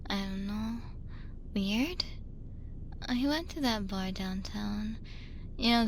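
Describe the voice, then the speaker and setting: A woman's voice: mid-range voice, vocal fry, a little hiss or hum. A woman playing a drunk, lonely young woman in an ASMR roleplay, rambling and giggling her way through a late-night voicemail with tipsy hesitations. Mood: wry, rambling.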